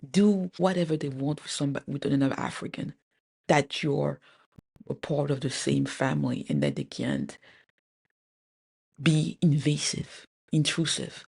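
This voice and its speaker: A woman's voice: low-pitched, gravelly, a little mellow, slightly rough. A woman from Cameroon telling a personal story in a candid, exasperated way, with frequent fillers and restarts. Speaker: podcast host. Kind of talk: storytime vlog.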